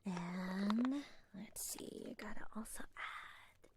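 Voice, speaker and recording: Whispering woman as a scatterbrained witch. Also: mid-range voice. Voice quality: breathy whisper. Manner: unhurried, murmuring to herself. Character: scatterbrained, kindly witch brewing potions for a customer. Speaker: ASMR roleplay performer. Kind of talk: soft-spoken ASMR roleplay.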